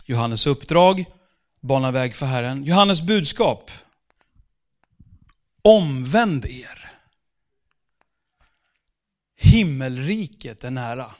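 A man giving a conversational church sermon, slowing down for scripture and sometimes raising his voice for emphasis. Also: fairly high pitch. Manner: conversational preaching with fillers, slows for scripture, bursts louder for emphasis. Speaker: pastor.

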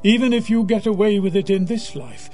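An actor playing an earnest, gently admonishing Catholic priest in an audio drama, with a measured, counseling manner. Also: male voice, sits high, animated, faint music behind.

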